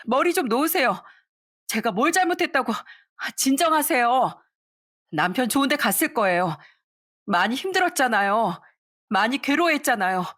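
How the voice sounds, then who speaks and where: A woman's voice: high voice, fairly bright tone, pitched above the performer's own voice. A woman voicing a callous young daughter-in-law who talks down sharply and dismissively. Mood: feigned concern.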